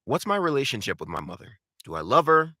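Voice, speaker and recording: A man's voice: medium pitch, sing-song, quick pace, bright, forceful tone, no echo, clean studio sound. A man giving an instructional talk as a voice acting coach, direct and emphatic, repeating phrases to drive points home. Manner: emphatic, acts out short example lines.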